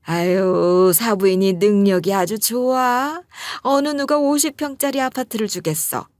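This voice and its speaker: A woman voicing a brash, outspoken older mother-in-law who talks loudly and shrilly. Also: mid-range voice, unhurried, no echo, natural voice. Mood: fawning. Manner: shrieking and loud, then fawning.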